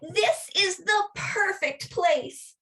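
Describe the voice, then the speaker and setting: A woman's voice: very high voice, very slow, fairly bright tone, distant mic, voice pushed up, full character voice. A woman voicing an eager, cheerful young girl who loves books, in a sing-song storybook manner.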